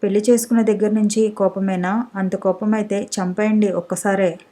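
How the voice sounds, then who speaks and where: A hurt young wife, voiced by a woman narrator, speaks reproachfully, close to tears. Her voice stays mellow and even in a spoken storybook reading. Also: medium pitch, moderate pace, natural voice. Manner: reproachful, tearful.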